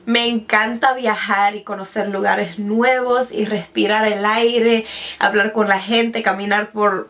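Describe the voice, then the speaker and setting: Speaking from her bedroom vanity desk to a camera set at medium distance, a beauty vlogger in her twenties keeps things casual and personal. She was raised with Spanish and now mostly speaks English. Her mid-range voice has a fairly bright tone, and she chats freely with frequent restarts and English words worked in.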